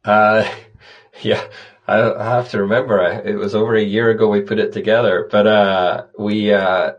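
Deep-voiced man, thoughtful and halting. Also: level tone, dull audio. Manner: thoughtful, restarts phrases often. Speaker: conservation guest. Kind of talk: conversational interview answers.

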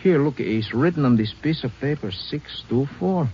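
Male actor as a menacing robber, mid-pitched threats, dull old radio recording. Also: animated, moderate pace, a little hiss or hum, natural voice. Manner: threatening, low and clipped. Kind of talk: 1950s radio acting.

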